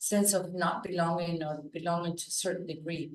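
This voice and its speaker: Audible room echo surrounds a woman who speaks at a fairly low pitch with a Uruguayan accent. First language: Spanish. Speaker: university professor presenting research. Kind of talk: conference presentation. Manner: hesitant, many fillers.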